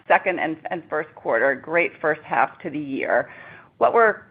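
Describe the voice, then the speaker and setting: A woman's voice: deep voice, slightly rough. A woman speaking as a chief executive on an earnings call, giving upbeat business answers over a narrow phone line. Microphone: conference call line.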